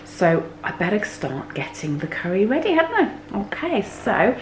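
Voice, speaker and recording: A woman in her forties, a little hoarse from a cold, chatting to camera in her home kitchen with lots of ums and "okay?". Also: mid-range voice, very animated, normal speed. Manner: chatty, many ums, stresses points with "okay?". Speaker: cooking vlogger. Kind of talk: chatty cooking vlog to camera. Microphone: handheld camera close to face. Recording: echoey kitchen with faint hum.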